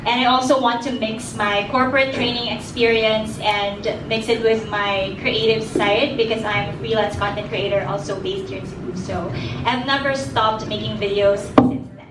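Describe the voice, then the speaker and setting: A woman's voice: fairly high pitch, fairly even intonation, normal speed, heavy background noise. A woman, a career tips creator, giving an earnest introduction on a panel. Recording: echoey hall from far off.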